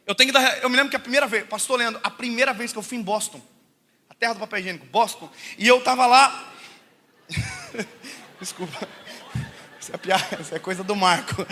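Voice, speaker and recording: A Brazilian man delivers a sermon framed as a funny personal anecdote, his voice pitched extremely high. He is animated and laughs often, swinging from loud shouts to hushed asides.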